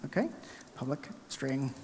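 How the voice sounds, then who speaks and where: A man from the American South giving a fast, energetic tech conference talk and narrating a live coding demo. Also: medium pitch, a little hiss or hum. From Alabama, US South. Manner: fast, energetic, chatty presenter narrating his screen. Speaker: conference speaker. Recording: hall reverb from a conference room.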